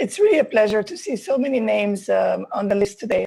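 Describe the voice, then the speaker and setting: A hoarse, put-on character voice rattles along at a very fast pace. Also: woman, fairly high pitch for a woman. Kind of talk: speaking to a conference audience.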